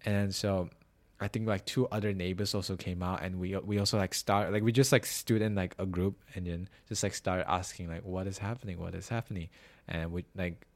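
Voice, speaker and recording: Young man from Malaysia, casual storytelling, low voice, animated, lots of "like". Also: normal speed. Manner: animated, heavy use of "like", bursts of loud laughter. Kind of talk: casual chat, telling an anecdote.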